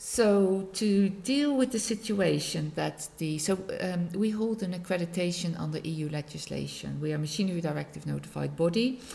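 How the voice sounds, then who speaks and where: With a Dutch accent, a woman speaks at a fairly low pitch over noticeable background noise. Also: ordinary pitch variation, moderate pace. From Netherlands. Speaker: company boss. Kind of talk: radio interview, business chat.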